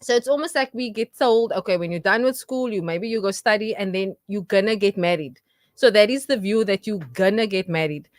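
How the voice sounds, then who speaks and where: A young woman co-hosting a radio show, talking earnestly and with energy in casual studio chat, quick to joke. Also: mid-range voice, no room sound. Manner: earnest, animated, jokes and laughs easily. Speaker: radio co-host.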